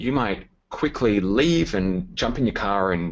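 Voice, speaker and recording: At a fairly slow pace, a man with a slight Australian accent speaks in a fairly low pitch. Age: 30s. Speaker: stock trader and trading educator. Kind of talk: webinar presentation. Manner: conversational, many fillers.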